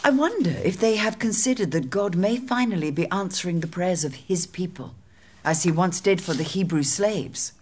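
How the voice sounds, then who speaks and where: A woman playing a shrewd, disdainful medieval queen in an audio drama, with a husky voice and a wry, regal manner. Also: lowish voice, animated, normal speed.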